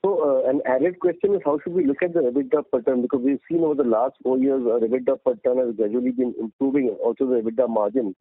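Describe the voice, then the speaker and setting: A man's voice: mid-range voice, steady tone, fast talker, hardly any pauses, no room sound. A man asking formal, polite questions as an analyst on an earnings call. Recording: dry, narrow phone line.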